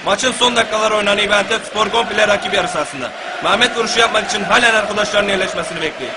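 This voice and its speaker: A noisy recording with ambience behind a comic Turkish football commentary. The commentator , acted by a man, is an exasperated, foul-mouthed local partisan with a Gaziantep accent. He talks fast in a high-pitched voice, sliding from formal match calls into folksy grumbling. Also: a loud crowd, close to an everyday voice. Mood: grumbling, wry. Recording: clear background noise and ambience.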